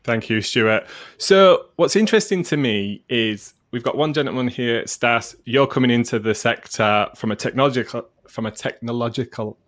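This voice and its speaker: Hosting a talk show, this man from northern England interviews conversationally and casually. He speaks at normal speed in a medium-pitched, slightly bright voice, with a broad Yorkshire accent carrying some Mancunian influence.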